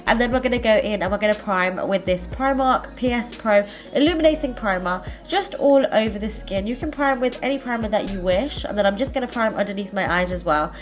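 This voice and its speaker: A woman's voice: mid-range voice, fairly quick, few pauses, faint music behind. Stuffy-nosed woman chatting through steps. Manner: chatty, friendly, self-correcting. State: congested, stuffy-nosed from a cold. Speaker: makeup tutorial host. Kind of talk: casual step-by-step tutorial narration.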